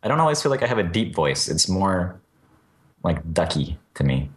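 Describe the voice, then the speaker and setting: Very deep-voiced hesitant man. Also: very animated. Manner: hesitant, halting, with fillers. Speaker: podcast co-host. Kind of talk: casual conversational chat.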